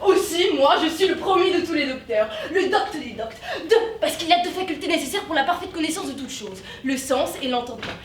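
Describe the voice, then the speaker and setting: A woman's voice: sits high, animated, fairly quick, few pauses, recorded from a distance. A young woman playing a pompous, pedantic male doctor in a stage comedy, lecturing in long declamatory lists. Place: theatre stage. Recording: roomy stage sound from afar, faint noise.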